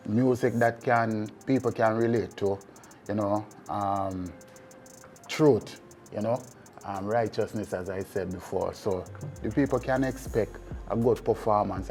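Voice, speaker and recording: Gravelly man, slow and deliberate. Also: lowish voice, a little mellow. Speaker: performing artist. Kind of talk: interview.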